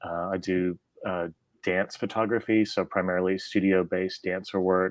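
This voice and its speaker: A man's very deep, low voice with an American accent, monotone and flat in intonation, at a moderate pace. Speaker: photographer. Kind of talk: casual chat.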